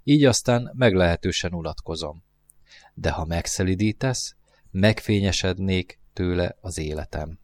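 A man's voice: sits low, a little mellow, natural voice. A man voicing a lonely, wistful male fox who talks in an earnest, musing way in a storybook reading. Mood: pleading.

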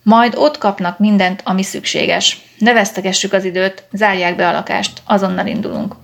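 Give me a woman reading a brisk, no-nonsense police sergeant from a storybook. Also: mid-range voice, steady tone, vocal fry, close to an everyday voice. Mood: stern. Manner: curt, official and firm. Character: stern, brisk police sergeant, adult man.

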